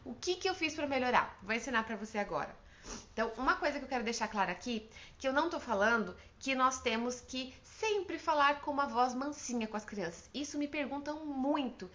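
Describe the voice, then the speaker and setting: Brazilian woman, earnest parenting coach, high bright voice, slightly dull lo-fi recording. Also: animated, a little fast. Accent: Brazilian Portuguese. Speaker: parenting advice host, mother. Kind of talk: direct-to-camera advice talk.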